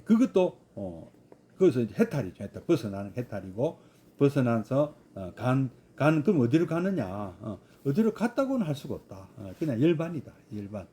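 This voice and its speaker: A man's voice: mid-range voice, very animated, normal speed, mellow, slightly rough. A man, a Buddhist monk, giving a scripture study lecture with many hesitant fillers and rhetorical questions.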